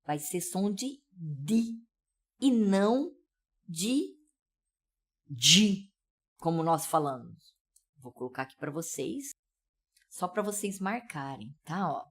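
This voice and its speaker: Woman, São Paulo accent, lively and unhurried pronunciation teacher, keeps checking in. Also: fairly low pitch. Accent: São Paulo Brazilian Portuguese. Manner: explanatory, with frequent "né?" and "tá?" check-ins. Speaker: English teacher. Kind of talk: pronunciation lesson.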